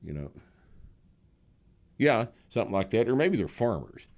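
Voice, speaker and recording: A man's voice: fairly low pitch, sing-song, normal speed, darkish tone. A man in his sixties hosting a podcast, chatting in a blunt, sarcastic, joking way. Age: 60s. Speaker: podcast host. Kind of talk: casual chat.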